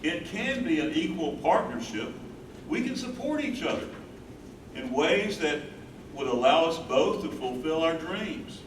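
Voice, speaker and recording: Lively, higher-voiced earnest young suitor played by a man, distant echoey room. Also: measured pace, background noise. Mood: earnest, persuasive. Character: Max, earnest, devoted young man courting his sweetheart. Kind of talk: staged play reading. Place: live staged reading in a room.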